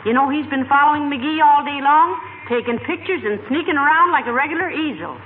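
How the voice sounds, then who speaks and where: An actress playing a wry, sensible wife in an old radio comedy. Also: female voice, high-pitched, brisk, slight background noise, natural voice. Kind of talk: 1940s radio comedy acting. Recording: tinny old radio broadcast with loud audience.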